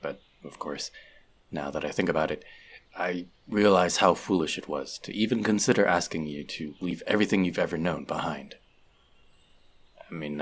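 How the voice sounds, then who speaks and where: A man's voice: deep voice, husky, heavily acted. A man playing an earnest, bookish elf outcast in an audio roleplay, confiding in a friend in a hesitant, self-doubting way. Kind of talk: scripted audio roleplay addressed to the listener.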